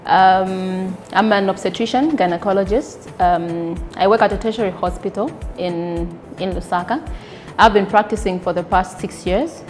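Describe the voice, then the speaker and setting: A woman from Zambia, an obstetrician-gynecologist giving an earnest, measured testimonial with frequent pauses. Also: medium pitch, faint music behind. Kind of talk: spoken testimonial.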